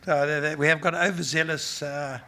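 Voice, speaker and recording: A South African man, a mining company executive, speaks off the cuff on a conference stage, blunt and matter-of-fact, with plenty of fillers and restarts. His voice sits fairly high with fairly even intonation, a little fast, pushed and bright.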